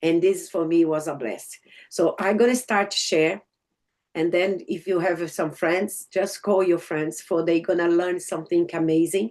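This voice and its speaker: A woman speaks in a Portuguese accent with ordinary pitch variation. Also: fairly low pitch for a woman, moderate pace. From Brazil. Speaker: network marketing presenter. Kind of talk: sales pitch.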